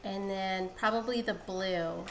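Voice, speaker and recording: A woman's voice: mid-range voice, fairly even intonation, a little slow. Congested, nasal-sounding woman streamer. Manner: chatty, rambling explanations. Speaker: craft streamer. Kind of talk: casual live-stream dyeing tutorial. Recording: echoey room, faint background hiss.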